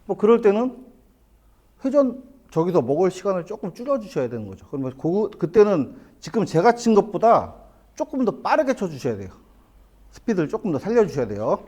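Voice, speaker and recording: A middle-aged man giving a hands-on billiards lesson in a billiard hall, explaining step by step and asking the viewer quick questions as he plays. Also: high voice, very animated, warm tone. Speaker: billiards instructor. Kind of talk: hands-on lesson, talking while playing.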